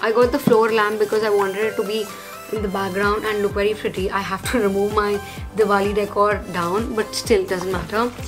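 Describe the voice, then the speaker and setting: Clear music plays in the background as a woman speaks at a fairly quick pace. Her intonation is monotone and flat. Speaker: lifestyle vlogger. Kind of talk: casual haul vlog chat. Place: home room. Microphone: camera far.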